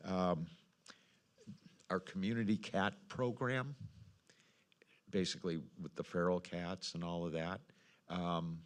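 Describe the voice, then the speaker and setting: A man serving as a council member, asking questions at a public meeting. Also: sits low.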